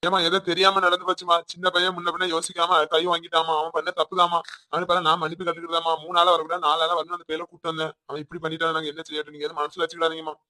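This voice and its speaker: A bright, fairly high cartoon voice of a humble village father, apologetic and pleading with a Tirunelveli Tamil accent. He speaks very quickly in a dry, close sound. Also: monotone, no echo. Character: humble older village father begging forgiveness.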